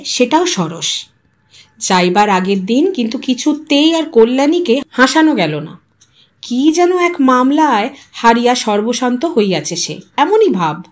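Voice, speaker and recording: A woman reading a literary short story aloud in an expressive storytelling style. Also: on the high side. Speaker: audio story narrator.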